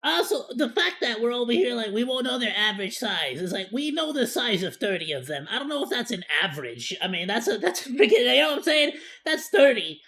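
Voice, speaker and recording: A woman's voice: on the high side, big pitch swings, a little fast, hardly any pauses, a bit bright. A woman streamer giving casual live reaction commentary, talking in an informal, joking, slangy way with some mild swearing.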